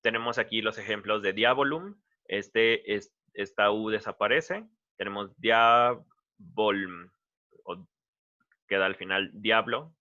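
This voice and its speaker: A man explains a lesson in a relaxed, conversational teaching style, often restarting his sentences. His voice sits a little low but sounds bright and forward. The recording is dull and lo-fi. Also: normal speed. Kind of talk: informal online lecture.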